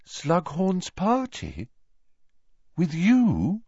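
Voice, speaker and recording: A man's voice: on the high side, very animated, a little slow, dry recording, pitched above the performer's own voice. Luna, a dreamy airy girl, as a man reads her. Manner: airy, sing-song, blunt. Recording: dull dry recording.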